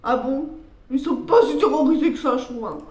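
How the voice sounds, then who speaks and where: High-pitched woman playing a story game. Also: brisk, a little mellow, reverberant. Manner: chatty, reads game text aloud. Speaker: let's player. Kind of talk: casual game commentary and story reading.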